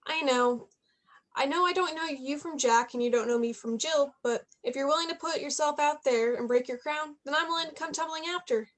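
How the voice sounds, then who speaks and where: A woman's voice: sits high, a little fast, lightly acted. A woman playing a playful, persistent eighteen-year-old journalism student in a play reading, chatty and probing. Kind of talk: staged reading of a play, naturalistic dialogue.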